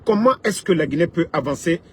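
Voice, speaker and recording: A man delivering an impassioned political rant, emphatic, swinging between loud outbursts and low asides, with a husky voice. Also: expressive, a little fast. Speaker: political commentator.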